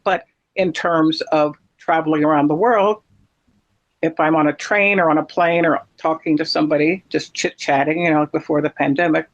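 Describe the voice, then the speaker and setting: A man's voice: a little high, steady tone, moderate pace, fairly bright tone. A man from Texas, chatting in an opinionated, rambling, emphatic way. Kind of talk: casual chat. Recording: muffled lo-fi sound.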